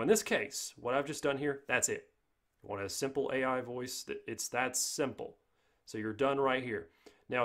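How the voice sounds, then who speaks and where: A man narrating a software tutorial in an informal, step-by-step way. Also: medium pitch. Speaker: tutorial host.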